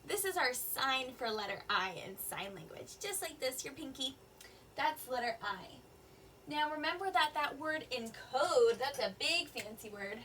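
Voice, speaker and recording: A woman kindergarten teacher leads a reading lesson, stretching each word out slowly for small children. Her voice is high and bright, with a sing-song lilt. The mic sits a little far away, and a faint room ambience is heard behind her. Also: animated, a little hiss or hum.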